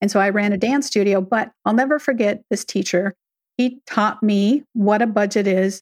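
A woman's unremarkable speaking voice at medium pitch and moderate pace, with fairly even intonation, very even loudness, and a dry, close sound with no echo. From US West, rural Washington State. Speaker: financial planner. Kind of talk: interview.

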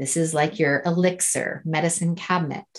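A woman with an unremarkable speaking voice talks at a moderate pace and a fairly low pitch. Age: 50s. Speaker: qigong instructor. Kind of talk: interview; guided meditation.

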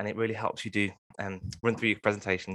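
Speaking at a very fast pace, a man talks with a West Midlands accent. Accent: Wolverhampton. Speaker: podcast host. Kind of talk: interview. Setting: video call.

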